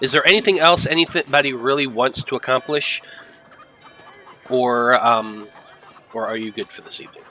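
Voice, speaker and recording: Noticeable background noise sits behind a man who talks at a moderate pace with ordinary pitch variation. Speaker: game master of tabletop role-playing game. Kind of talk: tabletop game narration and table talk. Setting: online livestream with players.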